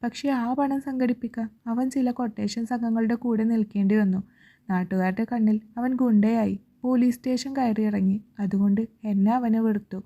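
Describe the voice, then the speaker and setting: A woman's voice: on the high side, fairly even intonation, moderate pace, warm tone, highs cut off. A woman voicing a sorrowful older mother.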